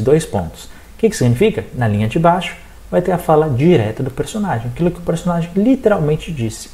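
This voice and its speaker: A Brazilian teacher with a Brazilian accent leads a recorded exam-prep lesson, speaking directly to the students and often checking that they follow. The voice is mellow and darker in tone. The pitch rises and falls a lot, keeping the explanation lively. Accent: Brazilian Portuguese. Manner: animated, addresses students directly, checks in with frequent "tá?".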